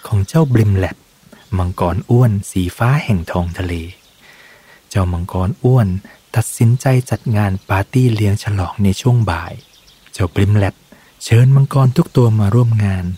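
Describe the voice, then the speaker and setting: Breathy low-voiced male storyteller. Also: normal speed, dark tone. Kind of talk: soft ASMR bedtime story narration.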